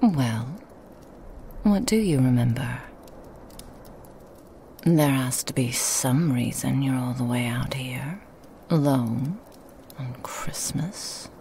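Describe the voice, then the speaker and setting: A woman plays a sly, menacing Christmas demoness who whispers close to the mic, teasing and insinuating. Her voice is extremely deep and gravelly, and she drawls slowly. It is a dark, unhurried ASMR roleplay. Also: slight background noise, full character voice.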